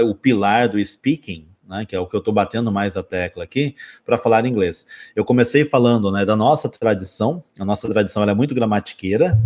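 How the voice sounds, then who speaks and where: A Brazilian man, an English teacher, talking through a casual spoken lesson with a Brazilian Portuguese accent, joking and correcting himself as he goes. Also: fairly low pitch. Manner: lively, joking, quick asides and self-corrections.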